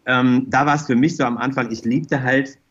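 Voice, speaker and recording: A middle-aged man with a mid-pitched voice chats casually as a podcast guest. He rambles enthusiastically through personal stories, and the recording sounds slightly dull and muffled. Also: fairly even intonation, normal speed, slightly rough. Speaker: interview guest, fashion designer.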